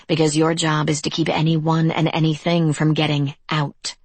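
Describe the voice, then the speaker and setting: A woman voicing a defiant young woman who speaks in a sharp, cutting, taunting way. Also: deep voice, little pitch movement, moderate pace, slightly rough, no echo.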